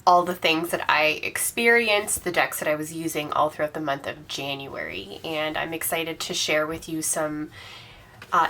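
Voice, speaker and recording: A woman's voice: low-pitched, sharp tone, slight background noise. A woman with a cold and a congested, slightly sore voice, chatting enthusiastically as host of her own vlog with frequent ums. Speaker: tarot channel host. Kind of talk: casual monthly wrap-up vlog.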